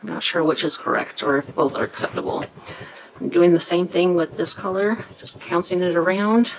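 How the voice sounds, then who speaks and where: Low gravelly woman demonstrating a craft. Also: expressive, moderate pace, slight background noise, poor audio. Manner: hesitant, searching for words, many fillers; chatty, self-deprecating about pronunciation. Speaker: craft tutorial host.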